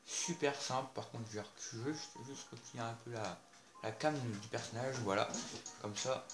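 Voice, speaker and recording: A man's voice: mid-range voice, moderate pace, music in the background. Guy chatting thru a game video, lots of "d'accord?", roomy sound. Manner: chatty, many fillers and "d'accord?" asides. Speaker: gameplay video host. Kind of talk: casual game commentary.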